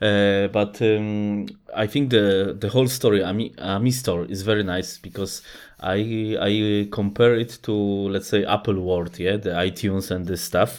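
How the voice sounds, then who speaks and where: With a Polish accent, a man talks at a fairly low pitch and a fairly slow pace, keeping his intonation fairly even. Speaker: podcast host. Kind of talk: casual interview. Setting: remote call. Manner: halting.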